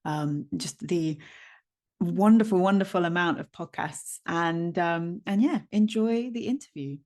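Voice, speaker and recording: A woman's voice: fairly low pitch, unhurried, a little mellow. A woman hosting a language-learning podcast, gushing and bubbly, with plenty of ums as she introduces her guest. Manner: bubbly, gushing, many fillers. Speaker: podcast host. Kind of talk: enthusiastic interview intro. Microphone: recording a video intro.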